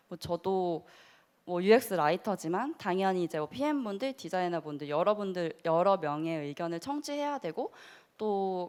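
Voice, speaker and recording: A woman speaks at a medium pitch with very wide pitch swings, recorded very cleanly against a silent background. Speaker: UX writer, conference speaker. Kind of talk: conference talk. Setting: stage with audience. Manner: teacher-like.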